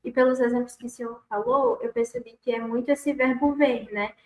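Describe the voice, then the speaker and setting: A woman's voice: a little high, steady tone, a little fast, a little mellow. A woman with a Brazilian Portuguese accent, interviewing with polite, curious, respectful questions. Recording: roomy echo.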